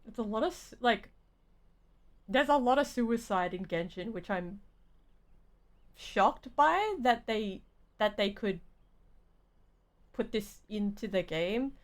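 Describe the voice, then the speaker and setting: A woman game streamer giving casual live commentary, rambling and halting as she thinks aloud. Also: medium pitch, lively intonation.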